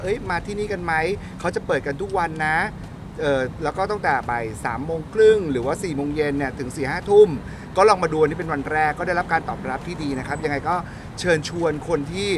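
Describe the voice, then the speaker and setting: Guy hyping up a night market to reporters, bit high voice, street noise behind. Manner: chatty, promotional, joking. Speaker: event organizer speaking to press. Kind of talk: press interview at market opening. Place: outdoor night market at a city mall. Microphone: press mics on a table, from a distance. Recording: noisy outdoor street sound.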